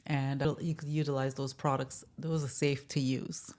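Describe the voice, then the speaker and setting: A woman's voice: rumbling low, little pitch movement, moderate pace, a little mellow. A woman co-hosting a casual health talk, agreeable and encouraging with practical tips. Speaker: health coach co-host.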